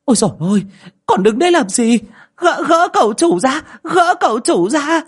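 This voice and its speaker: A man voicing a frantic older woman who shouts orders at servants in an audio story. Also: very high voice, big pitch swings, normal speed, voice pushed up. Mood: panicked. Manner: panicked, commanding.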